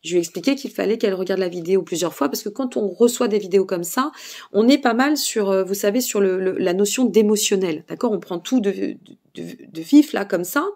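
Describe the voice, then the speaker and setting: Seated indoors, a tired woman with a Burgundian French accent offers spiritual guidance to camera in a warm, mid-range voice, speaking a little fast. She's hesitant, uses many fillers, and checks in with her listeners.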